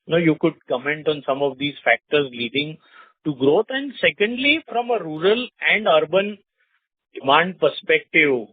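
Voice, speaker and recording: A man's voice: fairly high pitch, lively intonation, normal speed, husky, no room sound. Man on a tinny phone line. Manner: questioning, leans on "you know" fillers. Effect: heard over a phone line. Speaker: analyst asking questions on an earnings call. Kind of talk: conference call question. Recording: tinny, dry phone line with airy hiss.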